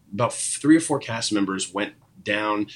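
With an American accent, a man speaks in a fairly low pitch. His tone is bright and sharp. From Arizona (Tucson). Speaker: Broadway actor. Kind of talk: casual chat. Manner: hesitant, many fillers.

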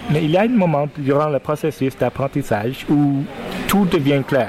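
Noticeable background noise sits behind a man with an English accent whose pitch is fairly high. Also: very even loudness. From Quebec, Montreal (anglophone). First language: English (speaking French). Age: 30s. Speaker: musician. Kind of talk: interview. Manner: halting.

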